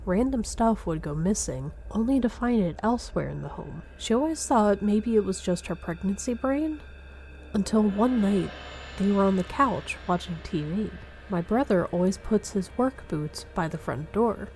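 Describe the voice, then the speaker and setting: A woman's voice: mid-range voice, expressive, normal speed, a little mellow, slight background noise, poor audio. A woman narrating a scripted spooky first-person story as the storyteller. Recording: music behind the voice. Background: background music.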